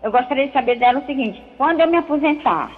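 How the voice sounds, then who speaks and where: A woman's voice: high voice, animated, fast. A woman in her fifties calling in to a radio show over the phone, asking her question earnestly and repeating herself. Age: 50s. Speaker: caller. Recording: thin phone line.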